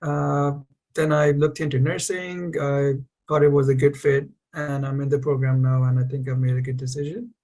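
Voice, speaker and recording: A man's voice: medium pitch, flat delivery, normal speed, darkish tone. A man from India, a nursing student, answering thoughtfully with hesitant starts. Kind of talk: panel answers.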